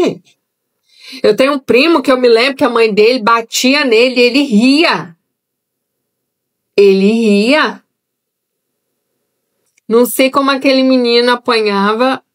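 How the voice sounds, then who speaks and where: A woman's voice: fairly high pitch, a bit bright. A young adult woman leading a live-streamed Bible study in a conversational way, speaking straight to her viewers. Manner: conversational, talks directly to viewers. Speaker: Bible teacher.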